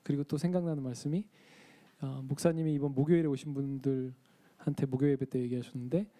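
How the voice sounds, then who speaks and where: A man's voice: medium pitch, fairly even intonation, fast, mellow, rough recording. A young man preaching a casual sermon in a church, chatting with the congregation, asking them questions and acting out quoted lines. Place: church sanctuary.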